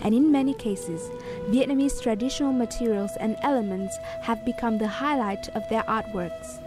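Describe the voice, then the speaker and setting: A woman narrating a news feature in a measured, even reading voice. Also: a little high. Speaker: news reporter. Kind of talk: scripted news voice-over. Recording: voice-over with music bed.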